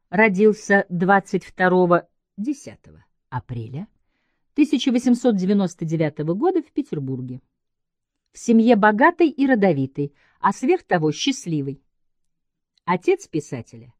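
A woman with a fairly low voice reads a literary essay in a very lively, melodic delivery. Her phrasing is measured and emphatic, set off by deliberate pauses. The recording is dry and close, with no room sound. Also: no room sound. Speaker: writer giving a literary essay. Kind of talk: scripted literary essay read aloud.

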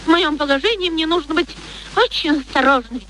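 A woman's voice: sits high, fairly quick, a bit bright. An actress playing a proud, hurt young flower girl in a Russian radio play, with a pointedly formal, emotional delivery. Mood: icily polite. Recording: noisy old radio drama recording.

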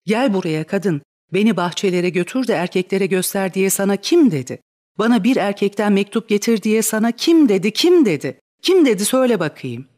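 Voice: mid-range voice, expressive, moderate pace, a little mellow, natural voice. A reader voicing a frantic lovesick young woman. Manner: pleading, crying out in rising outbursts. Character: young woman, desperate and lovesick, wild with grief. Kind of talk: dramatic reading of a stage play.

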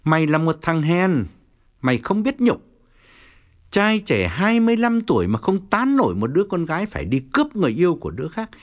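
A harsh, domineering middle-aged chairman barks out blame and orders, as a male narrator puts him on. His pitch leaps and drops widely as he berates. It plays like a scene from a spoken storybook. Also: wildly swooping pitch, moderate pace. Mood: furious. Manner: furious scolding, then lowered calculating tone. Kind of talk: audiobook character reading.

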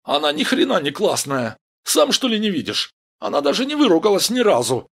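A man shouting as a crude jeering gang of thugs. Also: high-pitched, wildly swooping pitch, moderate pace, creaky, husky, voice pushed up, heavily acted. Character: crude loud gang of young male thugs.

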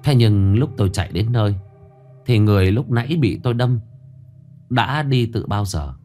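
Low-voiced man telling a ghost story. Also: expressive, normal speed, darkish tone, soft background music. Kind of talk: first-person ghost story narration.

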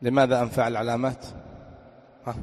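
A male religious teacher giving an Arabic grammar lesson, often quizzing his listeners with quick questions. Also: mid-range voice, little pitch movement, darkish tone. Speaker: Islamic teacher. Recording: long echoing reverb.

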